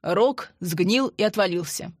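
A woman's voice: mid-range voice, slow, no room sound. A woman voicing a young man who talks in a dry, teasing way. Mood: wry. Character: young man, wry and joking.

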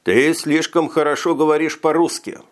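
A man's voice: on the high side, steady tone, normal speed, pitched above the performer's own voice, natural voice. A man voicing an anxious businessman stranded on an alien world, uneasy and full of questions, in an audiobook. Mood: doubtful.

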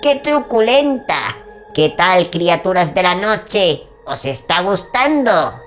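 A woman's voice: fairly low pitch, very animated, slow pace, soft background music. A woman voicing a creepy, grumpy old male horror host who speaks in grandiloquent, theatrical phrases to listeners. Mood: sly, ominous. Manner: grandiloquent, mock-grumbling, addressing listeners as creatures. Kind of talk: theatrical horror anthology hosting.

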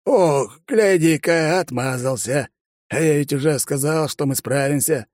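Man doing a sly teasing old grandfather, raised high voice, joking manner, dry close recording. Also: a little slow, darkish tone, dry recording, natural voice. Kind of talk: audiobook character voice.

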